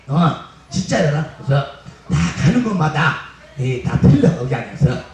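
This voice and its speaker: High, lively man joking on stage. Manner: loud, teasing, bawdy jokes with laughter. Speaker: pumba street performer. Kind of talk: bawdy stage banter with the crowd. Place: outdoor beach stage show. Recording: echoey PA sound from far off, music behind.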